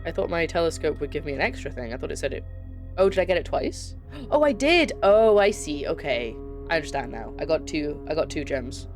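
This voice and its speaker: Her low voice swings widely in pitch as this young Scottish woman chats a little fast, streaming a puzzle game over soft background music. She rambles casually and interrupts herself often.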